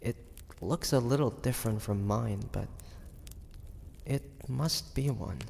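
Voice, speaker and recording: A man acts out a proud 1850s demon hunter in an intimate roleplay drama. His mid-pitched voice has a lot of gravelly fry. He speaks slowly and haltingly, with breathy sighs and a sardonic, guarded temper. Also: warm tone, slight background noise. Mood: grudging, puzzled. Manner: halting, breathy sighs, indignant then grudging.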